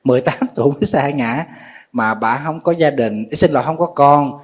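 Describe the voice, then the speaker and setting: A man's voice: medium pitch, moderate pace, breathy edge. A man with a Southern Vietnamese accent, a Buddhist monk giving a folksy sermon to a live audience, often asking his listeners questions.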